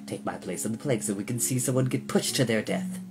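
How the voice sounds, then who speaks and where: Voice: mid-range voice, fairly quick, lightly acted. A narrator playing a sly, theatrical male villain in a storybook, pompous and falsely polite. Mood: nasty flattery.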